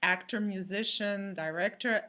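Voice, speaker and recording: A woman with a French accent chats as a performer being interviewed. Her voice sits at a medium pitch, and she talks slowly and haltingly, searching for words. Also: pushed and bright. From France. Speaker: physical theater performer. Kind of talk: casual panel interview.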